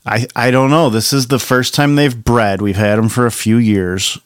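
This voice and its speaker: A man's voice: mid-range voice, steady tone, normal speed, smooth, no room sound. A man co-hosting a podcast, a little sick, telling stories in a dry, matter-of-fact way. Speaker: podcast co-host.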